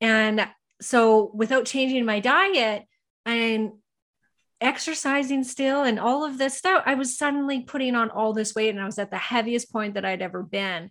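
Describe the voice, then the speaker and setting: A woman in a Canadian accent with an ordinary speaking voice talks at a moderate pace and fairly high pitch, with ordinary pitch variation. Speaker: hormone specialist and nutrition coach. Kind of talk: interview.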